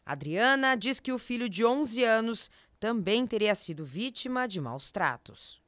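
A woman reporter reading a scripted TV news report in a measured, solemn tone. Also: on the high side, sing-song, a bit bright, no room sound.

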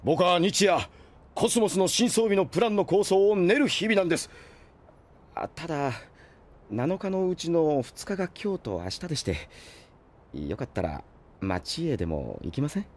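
A man's voice: on the high side, very animated, normal speed. A man playing a timid, eager young subordinate in an audio drama, flustered, stammering and deferential. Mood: flustered, hopeful. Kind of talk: Japanese audio drama acting.

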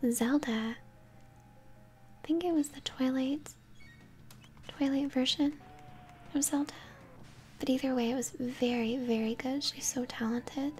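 Whispering young woman, gentle ASMR game commentary. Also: high voice, steady tone. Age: young adult. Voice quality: soft, breathy whisper. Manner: gentle, chatty, unhurried narration of play. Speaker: game streamer, host. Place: small home room, indoors. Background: game music.

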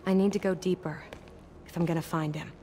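A woman's voice: lowish voice, fairly even intonation, brisk, dark tone, a little hiss or hum, close to an everyday voice. A woman playing sly Black Cat, cool and teasing. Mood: guarded, determined. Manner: teasing, cool, self-assured. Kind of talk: cinematic game voice acting.

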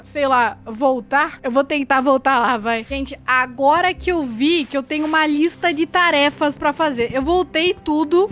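A woman's voice: sits high, fairly bright tone. A woman with a Brazilian Portuguese accent playing a horror game, chatting nervously to viewers. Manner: jumpy, chatty, talks to viewers. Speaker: gameplay streamer. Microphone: headset with earphones.

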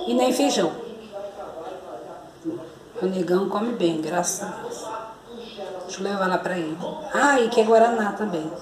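A woman's voice: mid-range voice, moderate pace, long pauses, a crowd in the background. A woman in her fifties with a Brazilian accent, a grandmother chatting casually to her viewers in a home vlog, often calling out to them and using fond diminutives. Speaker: vlogger and grandmother. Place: home kitchen and living room, indoors. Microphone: phone camera held at arm's length. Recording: echoey home room.

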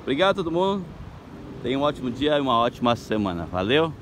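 A man's voice: medium pitch, big pitch swings, quick pace. A man working as a tour guide, chatting upbeat and casual as he films a walk along a beach promenade on his phone. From Brazil. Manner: chatty, upbeat, tags phrases with questions. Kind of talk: casual walking vlog. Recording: outdoor street and beach noise.

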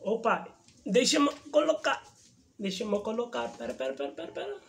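Indian man chatting in halting Portuguese. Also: extremely high pitch, wildly swooping pitch, a bit bright, slight background noise. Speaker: YouTube reaction host. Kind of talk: casual reaction video chat. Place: indoor room in front of a wooden backdrop. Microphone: lapel mic. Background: music playing from the reacted video.

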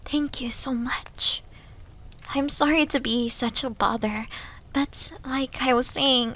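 A woman's voice: on the high side, fairly bright tone. A woman voicing a shy, starving young wolf girl in an ASMR roleplay, hesitant, apologetic and stammering, often slipping toward a whisper. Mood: apologetic, self-deprecating. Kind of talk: ASMR roleplay audio drama.

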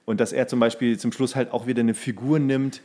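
A man with a medium-pitched voice chats casually as a podcast co-host. He rambles through his retellings and readily slips into acted-out quotes. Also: little pitch movement, brisk, dark tone. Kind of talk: casual chat about films.

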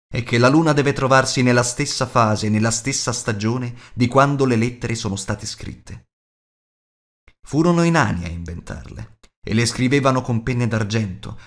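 Casting: wise elf lore master, read by a man, grave and measured, fantasy audiobook. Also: medium pitch, natural voice.

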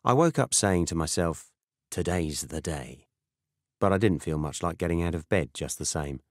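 A British man reading a first-person novel as an audiobook narrator, in a dry, measured manner. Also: low-pitched, lively intonation, no echo.

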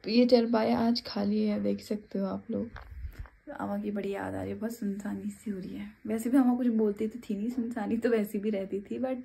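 A young woman from Uttarakhand chatting casually through a daily vlog, loud and lively outdoors, quiet and subdued at home. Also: medium pitch, normal speed, gravelly, slightly rough. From Uttarakhand, India. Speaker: vlogger. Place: streets, office and home, in and out of doors.

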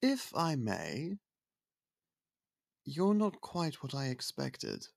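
An actor playing a young prince in an ASMR roleplay, speaking in polite, formal, soft-spoken courtship talk close to the mic. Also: male voice, mid-range voice, huge pitch swings, drawn-out words, creaky, no room sound, exaggerated voice. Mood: courteous.

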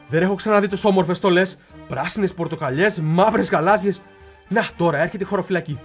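This is a radio stage play in which an actor portrays a lonely, childlike young man whose speech rises from hushed confiding to shrill shouting.

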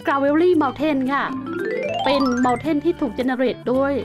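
A woman's voice: high-pitched, takes it slowly, music in the background. A young woman hosting a survival game video, chatting to viewers and exclaiming as she explores. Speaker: game host. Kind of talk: casual Let's Play commentary.

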